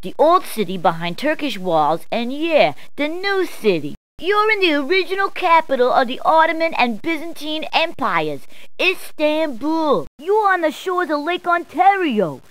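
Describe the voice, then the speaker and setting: A brash video game policewoman. Her voice is very high and swoops widely as she gives directions. The delivery is playful, punning and emphatic, in a dry, close recording. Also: very animated, a little slow, a bit bright, dry recording, exaggerated voice. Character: brash, jokey New York policewoman giving directions. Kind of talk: scripted video game character clips.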